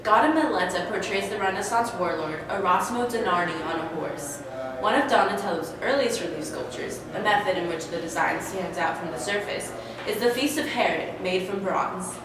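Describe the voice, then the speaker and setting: A woman's voice: medium pitch, normal speed, crowd noise. A woman acting as an interviewer in a scripted mock interview, asking eager questions and reading narration. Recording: echoey hall from far off, noisy.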